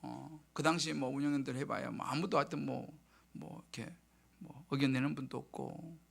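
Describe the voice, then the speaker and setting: A male pastor preaching a midweek sermon, telling a personal story with lively delivery and acting out his own prayers in hushed tones. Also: medium pitch, moderate pace, creaky. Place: church sanctuary.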